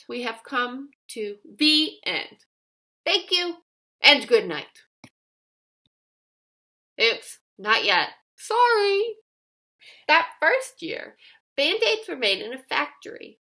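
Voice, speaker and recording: Female storybook narrator, high and very lively in pitch, expressive scripted read-aloud for children with emphatic delivery. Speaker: storybook reader.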